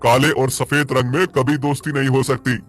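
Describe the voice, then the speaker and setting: A man voicing a jealous, grumpy black bull with a soft heart in a cartoon story, speaking in an emphatic, indignant manner. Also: mid-range voice, flat delivery, normal speed, faint music behind, lightly acted. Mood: angry, scornful. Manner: indignant, scolding, emphatic questions.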